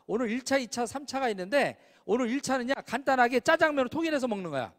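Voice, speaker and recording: A man's voice: very high voice, animated, fast talker. A man acting out a bossy male classmate who takes charge and boasts, recorded with a long hall reverb. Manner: commanding, boastful.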